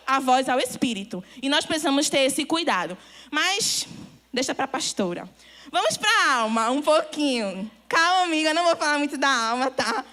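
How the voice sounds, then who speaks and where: Young woman youth leader, high pitch, animated church teaching with role-play. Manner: animated, acts out voices of body and soul. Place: church hall.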